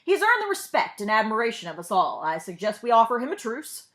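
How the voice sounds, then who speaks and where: An earnest storybook president, played by a woman, speaking with dignified emphasis. The delivery is conciliatory and formal, like a public address, with lively movement in the pitch. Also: brisk. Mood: earnest, admiring. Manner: emphatic, speech-making delivery.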